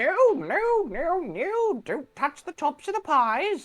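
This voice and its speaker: This is a put-on character voice, high in pitch with very wide pitch swings. It moves at a very slow pace. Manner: scolding, agitated.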